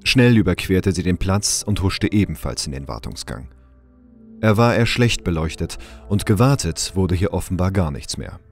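Low-pitched male narrator. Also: lively intonation, moderate pace, vocal fry, faint music behind. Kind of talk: scripted audio drama narration.

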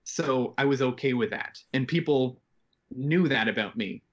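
A man in his twenties speaks as a guest in a casual interview. His delivery is reflective and halting, with a medium pitch. The sound is a little dull, like a headset on a video call from a bedroom. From grew up in Japan, Canadian. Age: 20s. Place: bedroom at home. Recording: slightly dull, band-limited video call.

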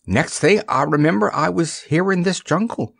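A man's voice: a little high, normal speed, vocal fry, fairly bright tone, dry recording, studio quality, pitched above the performer's own voice. A man voicing a proud little boy king who speaks with haughty, gloomy dignity in a storybook reading. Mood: sober. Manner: haughty, solemn.

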